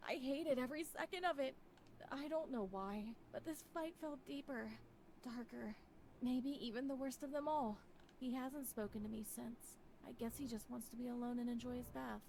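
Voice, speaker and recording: A woman's voice: high voice, moderate pace, vocal fry, darkish tone, slight background noise, poor audio. A woman playing a distraught, unstable wife in a dramatic horror visual novel, with emotional, theatrical delivery. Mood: sad, brooding. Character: distraught wife character, unstable, grieving, talking to silent husband.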